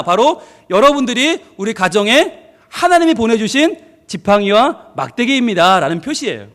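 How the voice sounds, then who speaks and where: A middle-aged man preaches at a family service in a notably high voice. His pitch swings widely as he tells stories and voices family quarrels. He keeps turning to the congregation with questions. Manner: lively storytelling, acting out quoted family arguments. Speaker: pastor.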